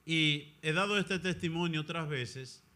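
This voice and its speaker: A man who is a Catholic priest, talking in an animated conversational way and sometimes acting out other people's voices. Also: fairly high pitch, a little slow. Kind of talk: conversational discussion.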